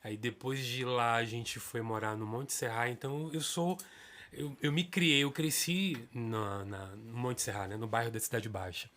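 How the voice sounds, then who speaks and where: A man in his fifties from Salvador with a Bahian Brazilian accent, telling his life story as a guest in a relaxed interview. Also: moderate pace. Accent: Bahian Brazilian Portuguese. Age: 50s. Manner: animated storyteller, pitch rises when excited. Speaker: guest, stage actor.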